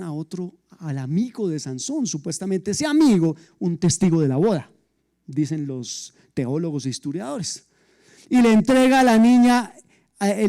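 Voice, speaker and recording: A male pastor preaching a sermon, retelling a story in an animated way with humorous asides to the congregation. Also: high voice.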